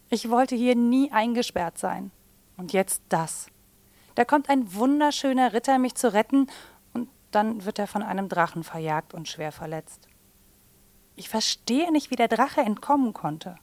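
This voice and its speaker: A woman's voice: on the high side, lively intonation, unhurried, darkish tone, no echo. An unhappy young cartoon princess, played by a woman laments in a dramatic storybook manner. The recording is dry and close, as a scripted game monologue. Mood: sorrowful, lamenting. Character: unhappy young princess, lamenting her captivity and wounded knight.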